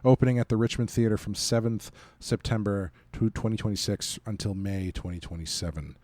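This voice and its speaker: A man's voice: on the low side, steady tone, a little fast, darkish tone, dry recording. Guy on a podcast just chatting, kinda wry rambly stories, dry close mic. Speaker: podcast host. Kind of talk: casual conversational chat.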